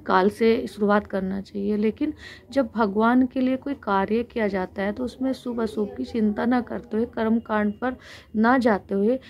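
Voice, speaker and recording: An Indian woman giving an explanatory Hindu religious discourse, speaking earnestly and unscripted with pauses, her throat a little sore. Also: on the high side, darkish tone. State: sore throat with frequent throat clearing.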